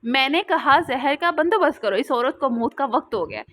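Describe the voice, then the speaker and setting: A woman's voice: high-pitched, moderate pace, a bit bright. A woman voicing a stern, wronged older father who gives cold, harsh commands.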